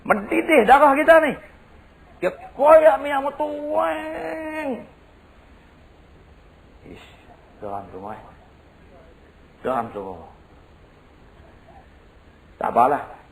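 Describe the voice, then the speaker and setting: Male preacher. Folksy, animated sermon storytelling with lively pitch swings. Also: reverberant, a little hiss or hum. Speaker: religious preacher.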